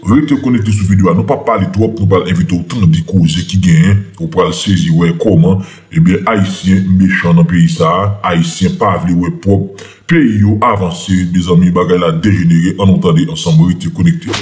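A man's voice: low voice, steady tone, normal speed, a little mellow. A man hosting an online news channel, rallying viewers and introducing a segment with lots of fillers. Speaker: channel host.

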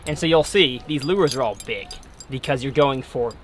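A man's voice: medium pitch, normal speed, a little hiss or hum. A young man hosting a fishing channel, talking upbeat and directly to viewers from a boat on a lake. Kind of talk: casual interview and vlog talk.

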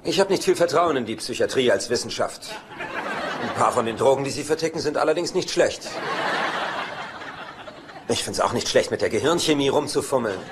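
A man acting a laid-back, cynical womanizer in a dubbed sitcom. He teases drily and sarcastically at a medium pitch. Clear noise runs behind the voice. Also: expressive, fairly quick, pauses often, close to an everyday voice. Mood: sardonic. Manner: dry, sarcastic. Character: cynical, womanizing, teasing laid-back middle-aged brother. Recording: noisy TV soundtrack rip.

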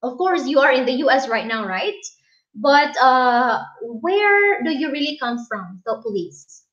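Young woman, Filipino accent, high-pitched, casual live stream host, webcam in small room, muffled lo-fi audio. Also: lively intonation, a little slow, a bit bright. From Philippines. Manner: chatty, reads viewer comments aloud, frequent restarts.

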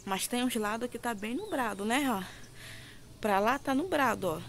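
A woman's voice: a little high, expressive, normal speed, a bit bright. A woman with a Brazilian Portuguese accent narrating a casual home vlog, chatting familiarly to viewers and often seeking their agreement. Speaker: home vlogger. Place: at home, in kitchen and yard. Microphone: handheld phone. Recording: noisy handheld home recording.

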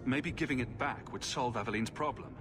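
A man's voice: medium pitch, fairly quick, close to an everyday voice. A man voicing a direct, questioning fantasy hero in a video game. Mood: inquiring. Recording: game music underneath.

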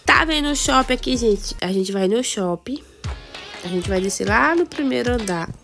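A woman with a Brazilian accent and a cold, hoarse, chatting casually to viewers through a game walkthrough. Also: on the high side, expressive, moderate pace, fairly bright tone, faint music behind. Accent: Brazilian Portuguese. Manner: chatty, addresses viewers as "amores". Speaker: gameplay video host.

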